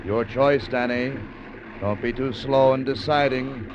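An actor playing a calm, stern man in a 1940s radio drama, speaking in a cool, level, quietly menacing way. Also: medium pitch, measured pace, close to an everyday voice. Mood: cold. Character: calm, stern man who turns in a killer. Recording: dull old radio broadcast, faint noise.

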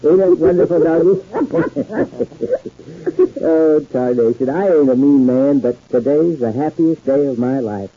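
An actor playing a folksy, good-natured older American uncle in a 1950s radio soap, with homespun, rambling country talk. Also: male voice, a little high, animated, a little slow. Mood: overjoyed, folksy. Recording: dull 1950s radio recording.

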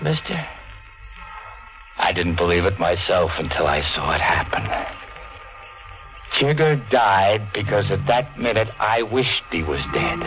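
An actor playing a menacing, distrustful small-time hood with tough, slangy talk in an old-time radio crime drama. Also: male voice, deep voice. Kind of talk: 1940s radio crime drama acting and narration. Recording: muffled old-time radio recording with music.

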